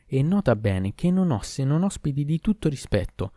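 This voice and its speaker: A man's voice: fairly high pitch, very animated, moderate pace, mellow, no room sound, studio quality, pitched above the performer's own voice. A man voicing a fussy, long-winded old barber who talks pompously and pedantically in a storybook reading. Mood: flattering.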